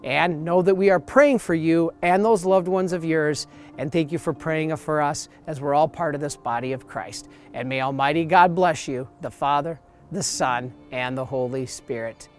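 A man in his forties, a priest, preaching earnestly to the camera outdoors on church steps, emphatic and steady, with soft music underneath. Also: fairly high pitch, normal speed. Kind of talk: promotional sermon to camera.

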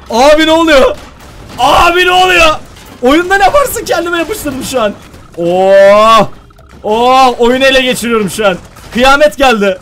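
A man hosting a gaming video, giving excited let's-play commentary, chatting with viewers and often breaking into shouted exclamations. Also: very high voice.

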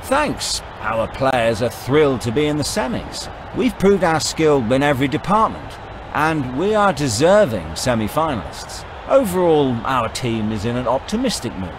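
An actor playing a determined, encouraging cricket team coach in a video game, speaking in emphatic, rehearsed lines. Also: male voice, medium pitch, very animated, normal speed, noisy background, natural voice. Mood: composed, confident. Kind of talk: scripted motivational speech and press answers. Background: music.

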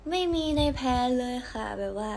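A young woman hosting a casual livestream from home, telling stories in a chatty, giggly, animated way. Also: a little high, moderate pace, slight background noise. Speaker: idol livestream host.

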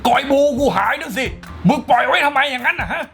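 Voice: high-pitched, lively intonation, fast, creaky. Someone voicing a heartbroken dad wailing for his bird. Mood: furious. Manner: wailing, then bitter and threatening. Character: grieving middle-aged father who lost his pet bird. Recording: music under the voice.

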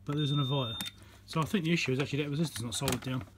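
Guy talking through a repair at his bench, thinking out loud, bit of faint background hum. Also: mid-range voice, rapid-fire. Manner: muttering, thinking aloud while working. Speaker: electronics repair presenter. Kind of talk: casual workbench commentary. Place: electronics workbench indoors.

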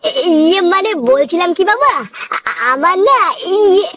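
A jobless young man stammering as he begs his father for money, as a voice actor plays him. The voice is very high and animated, and he talks fast, with faint noise behind him. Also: exaggerated voice. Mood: pleading. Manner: hesitant, stammering. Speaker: cartoon character.

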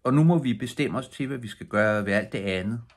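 A grieving, devoted young fishing boy from an audiobook, speaking earnestly and quietly, as a man reads him. The voice sits a little higher than the reader's own, with a husky grain. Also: natural voice.

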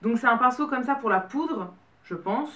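A young French woman in her twenties chatting excitedly as she unboxes a gift parcel for her vlog. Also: fairly high pitch, distant mic. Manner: chatty and excitable, quick bursts of delight. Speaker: beauty vlogger. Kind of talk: casual unboxing chat. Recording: roomy sound from away from the mic.

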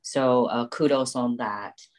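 A woman's voice: rumbling low, steady tone, takes it slowly, a little mellow. A woman from West Virginia chatting on a group call, thinking aloud as she talks. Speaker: guest director. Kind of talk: casual chat.

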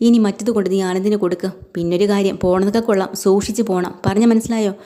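A woman's voice: mid-range voice, steady tone, rapid-fire, warm tone, natural voice. A woman voicing a stern, domineering mother-in-law who scolds and gives orders. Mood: scolding. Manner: scolding, commanding.

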